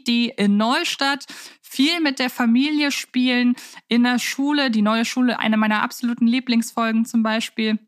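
A woman's voice: a little high, no echo, studio quality. A woman co-hosting a podcast in a chatty, wordy way, repeating words for emphasis. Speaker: podcast co-host. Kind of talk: chatty fan podcast moderation.

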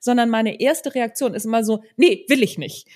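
A woman with a fairly high voice hosts a casual interview podcast. She talks conversationally and in an agreeable, affirming way, as in an informal exchange between two people. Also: normal speed, a little mellow.

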